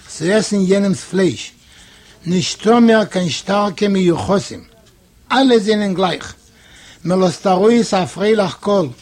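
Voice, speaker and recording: A man's voice: high voice, a little mellow, breathy edge. A man whose first language is Yiddish, reading a literary story aloud expressively and voicing its quoted dialogue. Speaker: reader.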